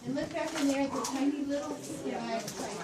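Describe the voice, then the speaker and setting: A woman's voice: high voice, fairly even intonation, a little fast, a loud crowd. A woman visitor chatting casually to a young child in a cave, guiding with short repeated phrases. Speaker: tour visitor minding a child. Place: inside a wet, echoey cave. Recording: very noisy, echoing cave, distant mic.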